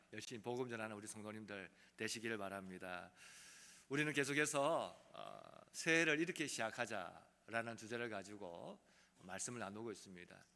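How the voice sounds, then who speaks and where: A man preaching a sermon as pastor, earnest, swinging from loud emphasis to soft quiet passages. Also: lowish voice. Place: church sanctuary. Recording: long hall reverb.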